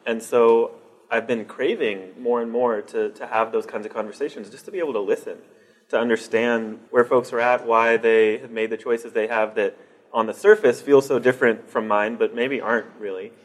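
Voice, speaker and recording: A man's voice: medium pitch, fairly even intonation, moderate pace. A man from Denver speaks carefully, restarting his sentences as he works through his thoughts. His voice sits in the ordinary middle range. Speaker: guest. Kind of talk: conversational interview.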